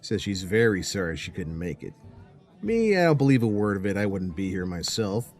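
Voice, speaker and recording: Low, swooping, blunt police sergeant. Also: male voice, very animated, normal speed, soft background music. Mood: dryly sociable. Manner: dry, blunt. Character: gruff, sardonic male police sergeant, team boss. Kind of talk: full-cast audio drama acting, conversational.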